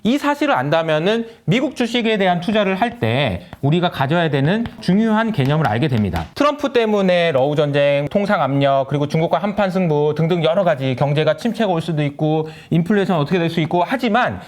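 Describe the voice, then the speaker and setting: A middle-aged man talking through markets to camera in a lively way, and often slipping into acted-out dialogue. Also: a little high, a little fast, few pauses. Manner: lively, acts out dialogue between countries and companies. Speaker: investment lecturer. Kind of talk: solo investment commentary to camera.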